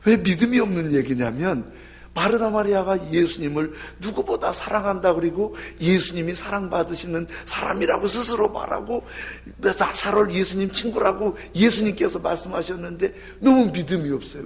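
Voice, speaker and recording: Male pastor, gravelly, fairly high voice, animated sermon storytelling. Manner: animated storytelling, acts out voices of biblical figures. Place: church.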